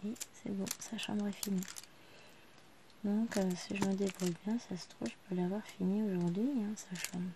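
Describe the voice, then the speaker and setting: Working on a craft in her living room, a woman in her thirties keeps up a chatty, quiet commentary to the camera for her vlog. Her medium-pitched voice stays level at normal speed, against a noisy background.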